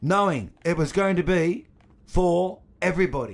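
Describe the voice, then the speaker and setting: A man with an Australian accent talks in a high pitch. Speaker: video game streamer. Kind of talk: live gameplay stream commentary.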